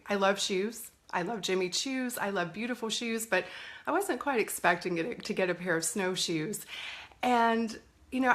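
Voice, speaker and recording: A middle-aged woman talks casually into her phone on a live stream, her voice a little hoarse after a cold. She speaks at an easy, mid-range pitch and chats warmly with the viewers she sees joining in. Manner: chatty, greets viewers by name. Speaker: lifestyle coach hosting a live stream. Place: indoors at a family home. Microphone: phone or webcam live stream.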